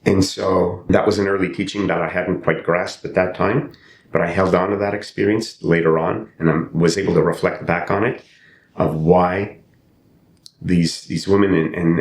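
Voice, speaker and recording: A man's voice: level tone, moderate pace. An older man from Canada, an actor and playwright whose first language is not English, reflecting on his life in a thoughtful interview with frequent restarts. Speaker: podcast guest, actor and playwright. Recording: roomy with faint rumble.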